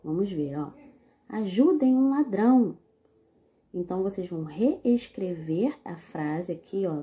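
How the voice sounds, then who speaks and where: Brief: woman, schoolteacher in a video lesson, deliberate and direct with the class, warm dark tone. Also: mid-range voice. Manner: slow, deliberate explaining, addressing the class directly. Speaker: teacher.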